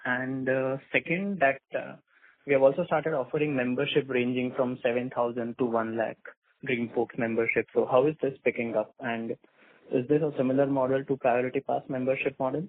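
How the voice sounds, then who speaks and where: Husky Indian man calling in by phone. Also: mid-range voice, steady tone, a little fast, no echo. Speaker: investor asking questions on a call. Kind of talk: earnings call question. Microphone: phone line. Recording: muffled narrow phone line.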